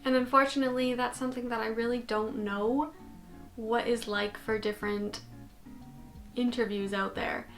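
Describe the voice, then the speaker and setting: Her voice a little high and her pace moderate, a young woman from Canada chats animatedly with hand gestures in a bedroom vlog. Faint music plays behind, and the fixed camera sits at desk distance indoors.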